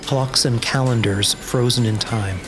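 A man playing a sardonic, grudge-bearing wasteland survivor in a dark-humor audio drama, dry, wry and guarded. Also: medium pitch, steady tone, measured pace, lightly acted. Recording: music under the voice.

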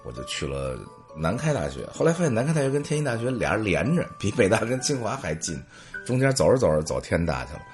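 A middle-aged man tells funny stories from his past as a show host. His voice sits very low, yet his pitch swings widely and animatedly. Faint music plays behind him. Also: quick pace. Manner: humorous, anecdotal, lively. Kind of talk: storytelling monologue.

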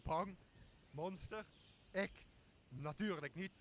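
A man's voice: sits high, takes it slowly, a little hiss or hum. A young man playing a blustering, boastful servant in an audio drama. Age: young adult. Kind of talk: Dutch audio drama of Shakespeare.

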